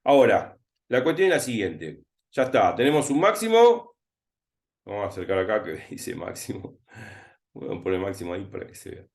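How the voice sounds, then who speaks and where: A man with a Rioplatense Spanish accent teaching a recorded math lesson, thinking aloud and repeating words slowly as he writes. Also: fairly low pitch, sing-song, darkish tone. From Argentina. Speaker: math tutor.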